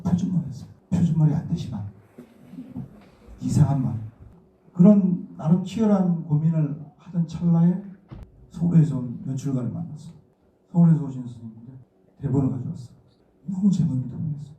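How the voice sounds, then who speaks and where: A man's voice: on the high side, expressive, fairly quick, pauses often, mellow. A middle-aged man from Daegu with a Daegu accent, giving an informal, conversational lecture full of personal stories as a stage actor. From Daegu, South Korea. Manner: conversational, acts out remembered dialogue. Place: indoor lecture room, recorded from a distance. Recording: muffled, echoey room, distant mic.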